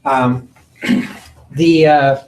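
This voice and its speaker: A man giving a recorded lecture from slides, halting often with ums and uhs and clearing his throat. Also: mid-range voice, fairly even intonation, darkish tone, poor audio. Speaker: college lecturer.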